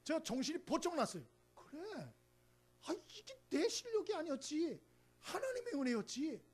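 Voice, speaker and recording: A male senior pastor delivers a Sunday sermon in a church sanctuary, speaking to the congregation conversationally and emphatically and often tossing in a rhetorical "eh?". His very high voice swings widely in pitch at a moderate pace.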